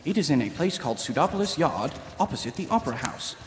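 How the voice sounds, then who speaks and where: A man's voice: mid-range voice, very animated, quick pace, slight background noise, close to an everyday voice. A man playing a naive, earnest young watchman, stiffly literal, in a live radio comedy. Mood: earnest, proud. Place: live on stage in a large hall. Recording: echoey hall, live stage performance.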